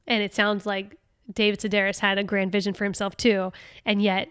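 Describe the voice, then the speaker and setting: A woman hosting a casual solo podcast, chatty and laughing often, reading passages aloud with lively expression. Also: medium pitch, brisk, smooth, dry recording, clean studio sound. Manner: chatty, laughing often, with many fillers and restarts. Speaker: podcast host.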